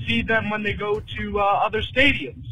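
There is noticeable background noise as a man with an American accent talks at a fairly slow pace in a high pitch. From New York City (the Bronx). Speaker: caller. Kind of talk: voicemail question.

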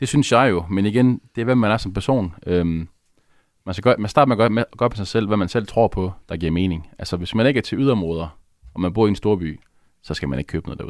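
Over a very clean recording with a silent background, a man speaks very fast with a fairly low pitch and ordinary pitch variation. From Denmark, Aalborg area (North Jutland). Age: 30s. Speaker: property investor, former electrician. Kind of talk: interview. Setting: studio.

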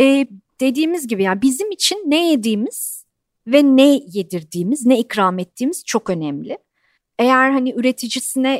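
High female voice with very wide pitch swings, dry and close with no echo, on a very clean recording with a silent background. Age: 40s. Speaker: restaurant founder and chef. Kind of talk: casual chat.

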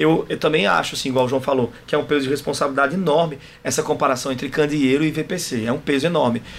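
With a northeastern Brazilian accent, a man speaks very fast with fairly even intonation. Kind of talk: radio interview.

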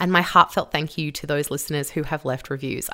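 Using a very deep, low pitch, a woman with an Australian accent talks at a fairly quick pace. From Victoria, Australia. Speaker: podcast host. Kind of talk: casual interview.

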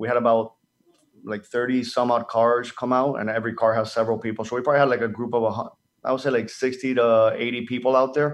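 A man talks at a very fast pace. His intonation stays monotone and flat. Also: medium pitch for a man. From Dominican Republic. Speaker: MMA manager and promoter. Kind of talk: interview.

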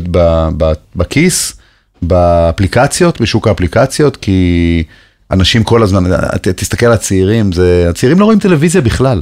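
At a moderate pace, a man with a very deep, low pitch speaks at very even loudness. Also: lively intonation. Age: 50s. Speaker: TV weather presenter. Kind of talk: interview.

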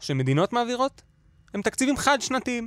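Energetic and extremely high-pitched, a man's voice swings very widely in pitch with a dry, close sound and no echo. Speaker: podcast host explaining news. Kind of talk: news explainer chat. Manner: exaggerated, energetic mic delivery; didactic, explanatory.

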